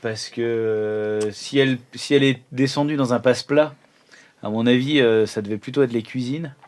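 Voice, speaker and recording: A man's voice: medium pitch, moderate pace, darkish tone. A man chatting casually as a player in an improvised tabletop game.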